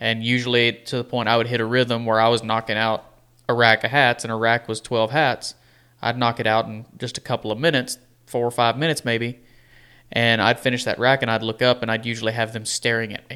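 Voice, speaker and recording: A man's medium-pitched voice with a Texan accent, bright and sharp in tone, flat and monotone, at a fairly quick pace, on a very clean recording with a silent background. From Texas (Fort Worth area, Bowie). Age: 20s. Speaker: hat shaper. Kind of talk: casual interview chat. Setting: studio.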